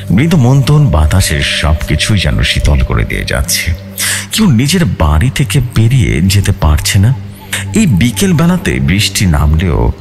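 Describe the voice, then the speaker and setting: A man hosting and narrating a horror storytelling show in a dramatic radio style, mixing in English words. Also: a bass voice. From Bangladesh. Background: music.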